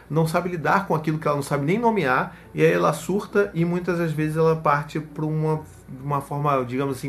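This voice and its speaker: Animated man giving parenting advice. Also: mid-range voice. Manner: animated, acts out parent and child voices. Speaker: parenting speaker. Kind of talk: casual advice monologue.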